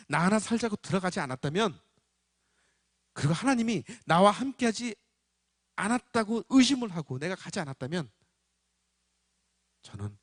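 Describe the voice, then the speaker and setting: A man preaching in a church, telling a story with animated delivery and acting out voices. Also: high voice, no room sound. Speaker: pastor. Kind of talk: sermon.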